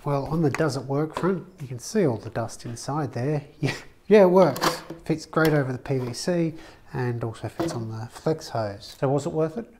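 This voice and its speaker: A man in his thirties talks through a workshop project in a relaxed, practical way, with the odd dry aside. He has a mid-pitched voice. He is recorded on a camera mic from a short distance in a brick-walled home woodworking shop. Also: moderate pace, noisy background. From Australia. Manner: chatty, practical, wry asides. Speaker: woodworking channel host. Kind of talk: casual how-to vlog.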